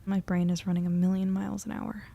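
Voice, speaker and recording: A woman's voice: medium pitch, little pitch movement, quick pace, vocal fry, mellow, lo-fi sound. An actress playing a worried, introspective young woman confiding her thoughts in an audio drama. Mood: hushed, restless. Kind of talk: audio drama narration and dialogue.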